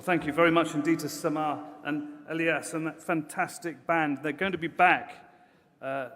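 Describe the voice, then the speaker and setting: Higher-pitched man hosting in a hall. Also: fairly bright tone. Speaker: event host. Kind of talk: formal event announcing. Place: large indoor event venue. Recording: echoey hall reverb.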